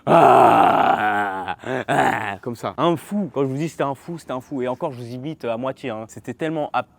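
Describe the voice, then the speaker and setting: A man in his twenties, telling an animated story straight to his viewers in a casual storytime vlog. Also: mid-range voice, fast talker. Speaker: vlogger.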